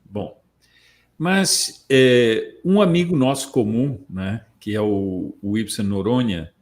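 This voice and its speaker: A man from Portugal who hosts the discussion, speaking in a measured, reflective way. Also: fairly low pitch. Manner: measured, reflective, with occasional soft laughs. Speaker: host. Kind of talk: conversational discussion.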